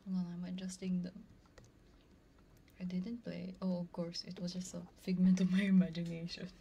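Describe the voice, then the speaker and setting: A woman chatting casually to viewers as an ASMR streamer, in a soft, often whispered voice with a playful manner, very close to a binaural microphone. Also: fairly low pitch, monotone, normal speed, creaky, slight background noise. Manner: playful, giggly. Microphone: close binaural ear microphone.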